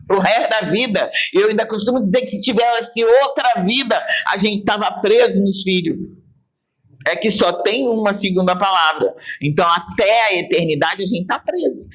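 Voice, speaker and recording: Woman, Brazilian Portuguese accent, Bible study teacher, emphatic, expressive, talks straight to the group. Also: medium pitch. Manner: acts out quoted remarks in changed voices. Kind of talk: church Bible study lesson.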